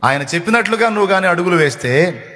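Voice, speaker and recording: A man preaches a sermon with fervor, hammering phrases again and again and slipping into soft, reassuring asides. His voice sits fairly high for a man. The sound rings with a long reverb, as in a large hall. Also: lively intonation, fast. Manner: emphatic, repeats phrases, acts out comforting words. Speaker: pastor.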